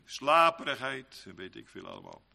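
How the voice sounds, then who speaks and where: A male preacher giving a sermon, swinging between soft, quick asides and loud, drawn-out exhortations. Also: medium pitch, huge pitch swings, vocal fry. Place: church. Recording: long reverb of a church hall.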